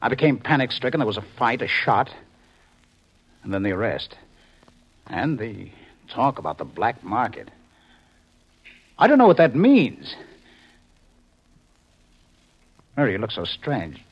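An actor playing a desperate, intense husband in a 1950s radio science fiction thriller, speaking urgently and emphatically. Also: male voice, medium pitch, sing-song, normal speed, long pauses, husky, highs cut off. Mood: bewildered, distressed. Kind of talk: 1950s radio drama acting. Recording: old 1950s radio recording.

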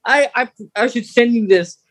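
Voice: mid-range voice, moderate pace, fairly bright tone. A podcast co-host chatting casually about a radio drama, explaining things in a rambling, hesitant way.

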